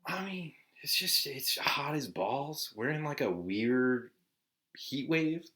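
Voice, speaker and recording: A man's voice: medium pitch, animated, takes it slowly, pushed and bright. A man in his forties from Southern California, chatting casually to camera as a vlog host, laid-back and swearing often with lots of "like" and "dude". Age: 40s.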